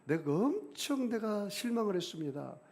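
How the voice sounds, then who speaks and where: Middle-aged male pastor, emphatic sermon delivery, call-and-response, fairly high voice. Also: big pitch swings, moderate pace, a little mellow. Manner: emphatic preaching with big swings in pitch and volume; leads the congregation in call-and-response. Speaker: senior pastor.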